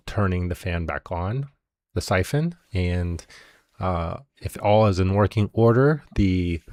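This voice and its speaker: A man narrating as game master in a tabletop game, halting with many fillers. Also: low-pitched, creaky, a little mellow, no echo.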